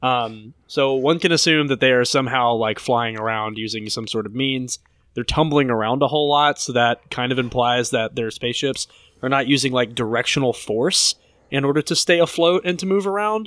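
In a very clean recording with a silent background, a man of medium pitch talks at a moderate pace with ordinary pitch variation. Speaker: podcast host. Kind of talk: casual banter. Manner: animated, profane.

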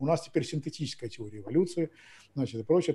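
A man's very fast, somewhat breathy, fairly high voice with a dark, mellow tone and ordinary pitch variation, in a very clean recording with a silent background. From former Soviet Union. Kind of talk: interview answers, lecture-like explanation.

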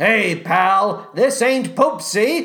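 A man puts on a gruff, growling character voice. It sits high in pitch.

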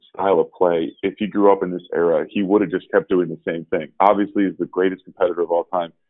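A man with an American accent speaks at a moderate pace in a fairly low pitch, a normal speaking voice. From US Midwest, Chicago. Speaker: professional basketball player. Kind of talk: casual chat.

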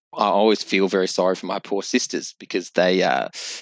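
In an Australian accent, a man with a fairly low voice talks at a fairly quick pace in a monotone, flat intonation, the sound dry and close with no echo. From eastern suburbs of Sydney, Australia. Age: young. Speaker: philosopher and podcast co-host. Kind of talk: casual chat.

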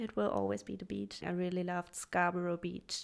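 In a German accent, a woman speaks at a fairly quick pace. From Freiburg, southwestern Germany (Baden-Württemberg). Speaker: German language teacher. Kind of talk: casual interview chat.

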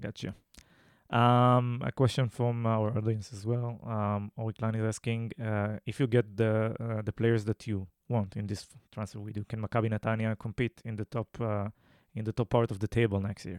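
A man with an Israeli accent at a moderate pace, monotone and flat in intonation, on a very clean recording with a silent background and a dry, close sound with no echo. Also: medium pitch for a man. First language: Hebrew. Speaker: podcast host. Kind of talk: interview. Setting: studio.

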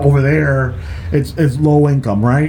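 Amid noticeable background noise and audible room echo, a man with a fairly high voice speaks at a moderate pace. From Guatemala. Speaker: podcast host. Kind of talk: casual chat.

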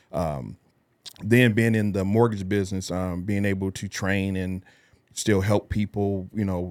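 With an American accent and an unremarkable speaking voice, a man talks at a fairly slow pace and fairly low pitch, his intonation fairly even, on a very clean recording with a silent background. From Detroit, Michigan. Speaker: water treatment business owner. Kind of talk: interview. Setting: studio.

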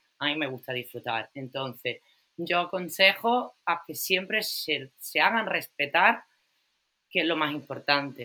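A woman with an Italian accent, fairly low-pitched and bright, sharp in tone, at a fairly slow pace with very wide pitch swings. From Italy. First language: Italian (speaking Spanish). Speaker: film art director. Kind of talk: interview.

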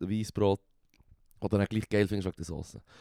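Speaking at a fairly quick pace, a man has a dark, mellow tone. The sound is dry and close, with no echo. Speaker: podcast co-host. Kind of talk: casual chat.

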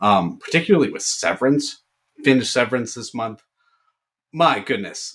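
Here a man with an ordinary speaking voice talks at a moderate pace and medium pitch. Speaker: podcast host. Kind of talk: casual chat about movies.

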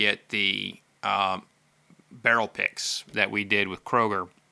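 In an American accent, a man speaks with a monotone, flat intonation, a fairly low pitch, vocal fry and a bright, sharp tone on a very clean recording with a silent background. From Oklahoma. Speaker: bourbon writer and festival curator. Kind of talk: casual interview.

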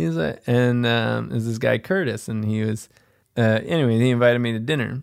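A normal speaking voice from a man, medium in pitch, with ordinary pitch variation. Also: moderate pace. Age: 40s. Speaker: hiker and traveler. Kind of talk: casual chat.

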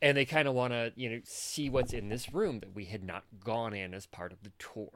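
A man with an American accent has a normal speaking voice and ordinary pitch variation. His loudness swings widely. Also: medium pitch for a man, moderate pace. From Michigan. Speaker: author. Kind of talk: casual interview, telling personal ghost stories. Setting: recording at home.

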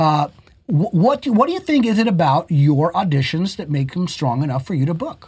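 Moving at a fairly quick pace, a man speaks in a high voice that swings very widely in pitch. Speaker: podcast host. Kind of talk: casual interview.

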